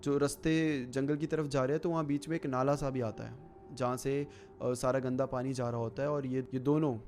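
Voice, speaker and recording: A man hosting a show, narrating a scary true story in a relaxed, conversational way. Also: medium pitch, normal speed, a little hiss or hum. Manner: conversational, relaxed retelling with fillers. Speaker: horror story narrator and host. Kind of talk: casual storytelling.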